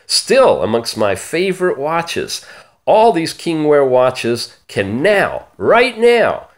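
Animated, higher-voiced man hosting gadget news. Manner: animated, theatrical emphasis with drawn-out key words. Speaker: host of a smartwatch review channel. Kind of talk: upbeat product-news presentation to camera.

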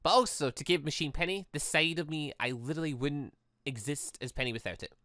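A let's player voicing an earnest, devoted young female android, reading a visual novel aloud with halting delivery. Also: medium pitch, a bit bright, no room sound, clean studio sound, lightly acted. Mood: reflective.

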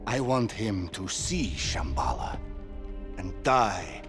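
An actor playing a ruthless, domineering warlord villain in a video game cutscene, with a menacing, commanding delivery. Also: male voice, on the low side, very animated, slow. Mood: cruel triumph. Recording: loud dramatic music behind.

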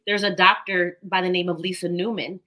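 A woman in her thirties explains medical facts with calm confidence from a room at home. Her voice is bright and a touch low, picked up by a laptop mic. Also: fairly quick. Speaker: doctor and guest. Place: home room, video call.

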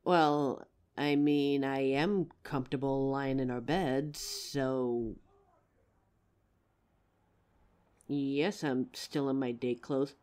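A woman's voice: a bass voice, fairly even intonation, slow pace, darkish tone. A young woman voicing an anxious, protective female werewolf who stammers and sighs as she talks to her partner. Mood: touched. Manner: hesitant, stammering, sighing often. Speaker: voice actor in audio roleplay. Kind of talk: audio roleplay for a listener.

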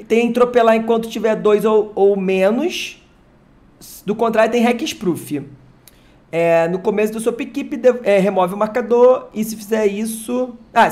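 An excitable, slangy streamer from Brazil opening card packs live, who swears and jokes with chat. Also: mid-range voice. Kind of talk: live unboxing chat with viewers.

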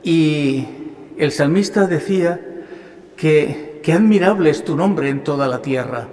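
A man's voice: on the high side, darkish tone. An older man from Spain, a bishop, giving an earnest homily at Mass from a lectern in a large chapel. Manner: slow, earnest preaching with rhetorical questions. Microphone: stand mic at a lectern. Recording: long church reverb.

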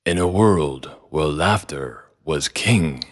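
Deep, slow movie-trailer announcer. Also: male voice, animated, heavily acted. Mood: portentous. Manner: grave, dramatic, portentous delivery. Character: stubborn, clueless male movie-trailer voice-over announcer named Dave. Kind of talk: epic movie-trailer narration parody.

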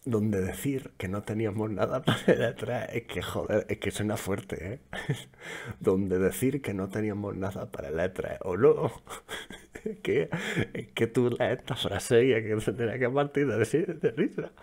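A man gives casual commentary as he reads forum posts aloud, teasing them with a mocking edge and frequent laughter. His voice sits low and has a husky grain. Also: normal speed, a little mellow. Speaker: gaming youtuber.

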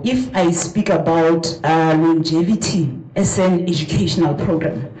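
A woman's voice: on the low side, mellow. A middle-aged woman with a South African accent giving an earnest, emphatic conference talk from a lectern, repeating words for stress. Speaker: conference speaker. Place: large vaulted hall with stage and projector. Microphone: handheld mic at a lectern, room recording. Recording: echoey hall.

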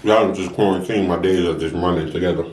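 A young man with an American accent and a lowish voice talks casually to his viewers between bites. His speech is informal and slangy. The sound is roomy and echoey, picked up a little away from the mic. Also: steady tone, fast talker, darkish tone, slight background noise. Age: young adult. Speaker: mukbang vlogger. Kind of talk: casual chat to viewers while eating. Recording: roomy echo, distant mic.

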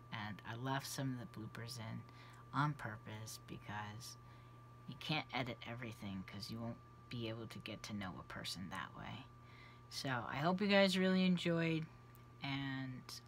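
A man's voice: medium pitch, fairly bright tone, a little hiss or hum. A trans man in his thirties whose voice is changing on testosterone, chatting casually to camera in a small bedroom and often trailing off into a near whisper. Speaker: vlogger. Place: small cluttered bedroom indoors. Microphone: camera close at face level.

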